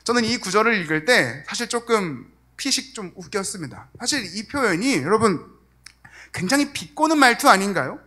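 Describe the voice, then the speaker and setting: An evangelist preaching a sermon in a church, lively and acting out the quoted lines in voices. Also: medium pitch, moderate pace. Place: church sanctuary.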